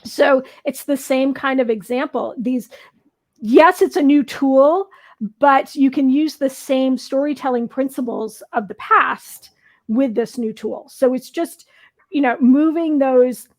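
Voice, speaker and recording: A woman's voice: sits high, unhurried, darkish tone. A woman co-hosting a casual panel discussion, explaining things in a conversational way. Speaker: talk show co-host.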